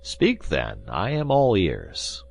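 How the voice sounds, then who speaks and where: A man's voice: low voice, wildly swooping pitch, slow pace, vocal fry, darkish tone, exaggerated voice. A man voicing a proud, hard-drinking musketeer who talks in a commanding, dry and ironic way. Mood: wry. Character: world-weary drinking male musketeer, proud and sardonic. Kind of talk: audiobook character reading.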